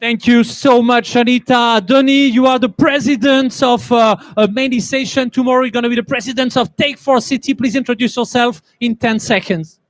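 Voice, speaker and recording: A man hosting a live event on stage as an energetic emcee who hurries people along. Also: very high voice, moderate pace, few pauses, no echo. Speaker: event host.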